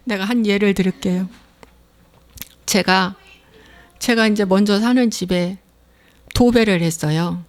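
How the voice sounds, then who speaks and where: Woman pastor preaching, kinda high voice, keeps repeating lines for emphasis. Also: darkish tone. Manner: emphatic, repeats phrases, acts out inner voices. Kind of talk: sermon.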